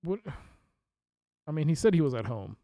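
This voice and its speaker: A man's voice: fairly high pitch, sing-song, normal speed, no room sound, dull audio. A man streaming a mystery game, reading case notes aloud and reacting with laughs and asides. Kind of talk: casual let's play commentary.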